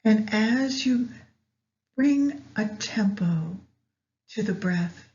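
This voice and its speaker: Slow, mellow woman guiding meditation. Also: medium pitch, animated, lo-fi sound. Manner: measured, pausing between short phrases. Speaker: meditation guide. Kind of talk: guided meditation with astrology commentary.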